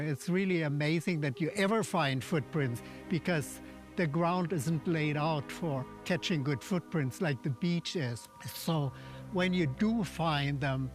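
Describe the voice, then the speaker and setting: An older man giving a precise, formal and deliberate explanation as an expert in a documentary interview. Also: on the high side. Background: music.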